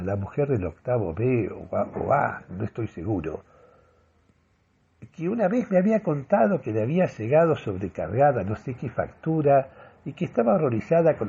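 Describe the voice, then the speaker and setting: A man's voice: mid-range voice, creaky, darkish tone, slightly rough, lo-fi sound. A man performing a comic first-person radio monologue in a theatrical, mock-solemn manner. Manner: dramatic, mock-solemn delivery.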